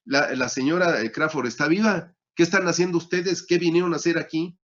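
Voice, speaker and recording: A man's voice: fairly high pitch, a little fast, voice pushed up. A man voicing an angry frontier sheriff who is scolding a crowd and ordering it to leave. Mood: indignant. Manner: shouting orders, indignant. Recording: dull lo-fi sound.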